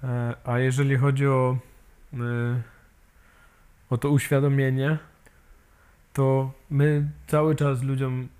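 A man speaks as an interview guest, casual and unpolished. His voice sits at an ordinary middle pitch, and he stumbles through restarts and fillers, often ending his thoughts with a quick tag question. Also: flat delivery, a little mellow, clear, resonant tone. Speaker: guest, amputee peer support volunteer.

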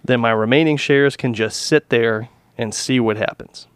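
A man's voice: medium pitch, moderate pace, clean tone, dry recording. A man co-hosting a casual podcast, talking in a middle-range voice. He rambles, restarting sentences and leaning on fillers as he thinks aloud. The sound is close and dry, with no room behind him. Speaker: podcast co-host. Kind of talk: casual chat about stocks.

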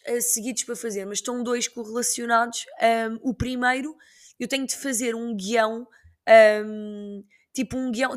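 A young woman from Portugal, hosting a podcast and chatting casually in a slangy, animated storytelling way. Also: fairly high pitch. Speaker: podcast host. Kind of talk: casual solo podcast chat.

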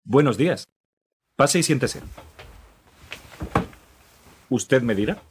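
A man's voice: mid-range voice, lively intonation, normal speed, noisy background, lightly acted. A man playing a middle-aged forensic doctor who talks in a dry, matter-of-fact way. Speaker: forensic pathologist. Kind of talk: radio drama acting.

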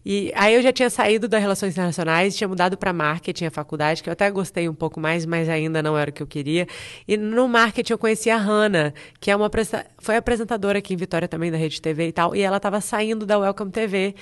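Woman, 30s, smooth clear voice, chatty storyteller, podcast guest. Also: medium pitch, fast talker. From Brazil, grew up in Espírito Santo. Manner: chatty, lively storyteller who laughs easily. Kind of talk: casual interview chat.

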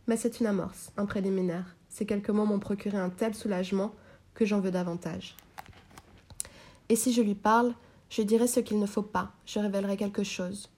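Mellow-voiced woman reading a novel aloud. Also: medium pitch. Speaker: reader.

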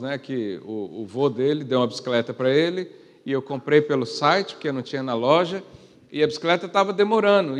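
Pastor preaching in a reverberant hall. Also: male voice, fairly high pitch. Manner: preaching with rhetorical questions and big swings in loudness. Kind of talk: sermon. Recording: long reverb of a church hall.

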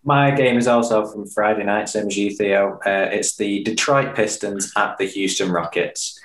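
A man co-hosting a sports podcast over a video call, with a dry, deadpan humor. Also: fairly low pitch, moderate pace, roomy sound, rough recording. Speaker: podcast co-host. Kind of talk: casual sports chat.

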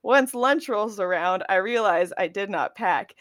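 A woman's voice: medium pitch, a little slow, no room sound, studio quality. A woman co-hosting a casual podcast chat, telling stories with frequent laughter. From New England. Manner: laughing, animated storytelling. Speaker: podcast co-host.

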